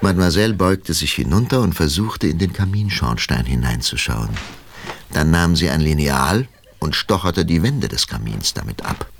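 Deep, gravelly man narrating. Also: sing-song, normal speed, slight background noise. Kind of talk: scripted narration for children's radio play.

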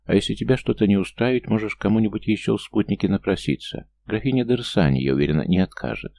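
A man reading an audiobook voices an anxious, earnest young woman in a soft, pleading way. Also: fairly low pitch, fast talker, vocal fry.

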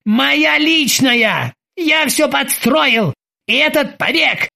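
A man voicing an irritable middle-aged yacht captain who barks and shouts in exasperation. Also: sits high, very animated, takes it slowly, slightly rough, exaggerated voice. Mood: furious shouting.

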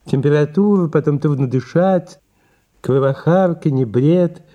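A man's voice: on the high side, unhurried, lo-fi sound, close to an everyday voice. A man playing a fussy, pedantic male secretary in an audio drama who keeps lecturing about health. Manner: lecturing, prim and officious.

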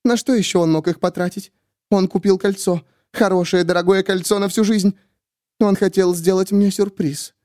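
Man doing a high shrill unstable woman, armed and jealous, shrieking and volatile, dry close audiobook sound. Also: steady tone, moderate pace, dark tone, no room sound, close to an everyday voice. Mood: bitter, deluded. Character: unhinged jealous young woman with a gun.

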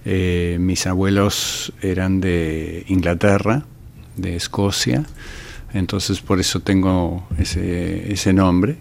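A man's voice: low-pitched, steady tone, slow, creaky, slight background noise. An older man with an Argentine accent, a ministry director giving a radio interview, speaking hesitantly with many fillers and restarts. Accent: Argentine Spanish. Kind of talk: radio interview, relaxed storytelling.

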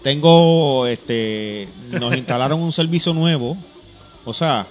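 A man's voice: medium pitch, slow pace, soft background music. A man co-hosting a Christian program, talking casually and explaining things with plenty of fillers. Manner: chatty and explanatory, many fillers. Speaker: co-host. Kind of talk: casual church talk-show chat.

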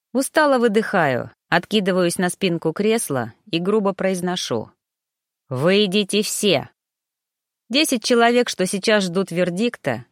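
Woman, audiobook narrator, expressive, gruff inner voice, mid pitch, dry close sound. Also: no room sound. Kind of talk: first-person story narration.

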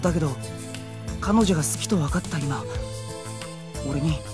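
A male voice actor playing a flustered, lovesick high school boy in a Japanese anime-style audio drama, excitable and full of self-doubt. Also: normal speed, lightly acted. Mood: earnest, wistful. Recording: background music under the voice.

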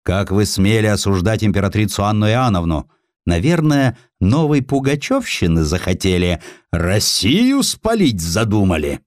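A man's voice: fairly low pitch, very animated, moderate pace, no room sound, clean studio sound. A man voicing a wrathful, haughty, bullying dignitary who roars threats in an audiobook tale. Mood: angry threatening. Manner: roaring, haughty, menacing. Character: wrathful, bullying high-ranking male dignitary, censorship chairman.

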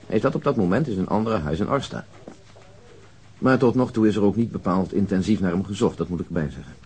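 Low, husky, methodical detective. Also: male voice, fast talker, darkish tone. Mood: dry, factual. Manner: matter-of-fact, precise. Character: methodical, dry male detective with exact memory, unruffled. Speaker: actor. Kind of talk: radio drama dialogue.

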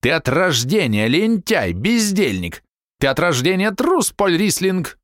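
A man voicing a quarrelsome woman in her forties, shrill and indignant as she nags and complains. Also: very animated, brisk, no echo, studio quality. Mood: furious.

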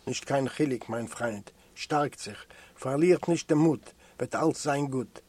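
A man reading aloud and voicing a gentle, fatherly prison doctor with a soft, mild voice. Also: sits high, unhurried. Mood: reassuring.

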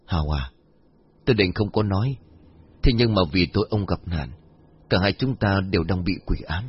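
A man's voice: sits low, moderate pace, slightly rough. A man voicing a serious, earnest young village man. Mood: grave. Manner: grave and earnest. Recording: dull lo-fi audio with faint music.

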